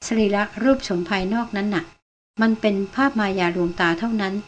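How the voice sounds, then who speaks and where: A woman voicing a worldly foreign woman in her thirties who speaks frankly and warns gently, in an earnest, measured storybook reading. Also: medium pitch, steady tone, a little hiss or hum, close to an everyday voice.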